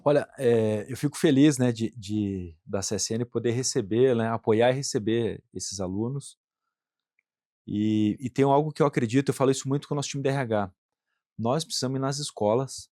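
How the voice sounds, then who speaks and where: A middle-aged Brazilian man talking as a guest in an interview, with a voice of average pitch. He speaks earnestly, circling back on words and tagging his points with little questions. The sound is dry and close, with no room behind it. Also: normal speed, mellow, no echo. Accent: Brazilian Portuguese. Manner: earnest, frequent "né" tag questions, repeats words. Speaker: industrial plant manager, guest. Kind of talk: conversational interview answers.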